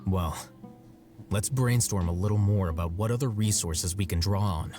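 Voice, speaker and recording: A man playing a stern, solemn law enforcer in a video game, speaking in a formal, measured way. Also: deep voice, a little mellow, soft background music, close to an everyday voice.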